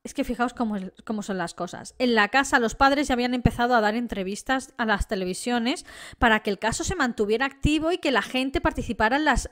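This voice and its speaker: A young woman from Spain tells a true crime story in a casual, chatty style. She sounds openly indignant and speaks straight to her audience. Her voice sits a little high. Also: fairly bright tone. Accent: Spain Spanish. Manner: indignant, chatty, addresses viewers directly.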